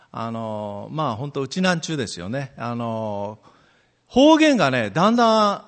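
Lively chatty male guest preacher. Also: medium pitch. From Amami Oshima, Japan. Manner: chatty, animated storytelling with many fillers. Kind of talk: sermon with personal stories. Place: church. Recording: long reverb of a church hall.

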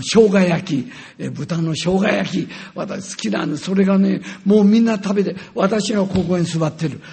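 Older male preacher, high gravelly voice, animated storytelling testimony. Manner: animated, acts out scenes with sound words.

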